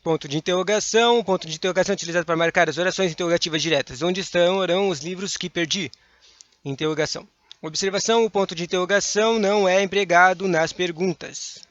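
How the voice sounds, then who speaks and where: A man teaching a grammar lesson for exam prep with a Brazilian Portuguese accent, reading examples aloud with lively emphasis and mumbling quiet asides. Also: high-pitched, fast talker, no echo, dull audio.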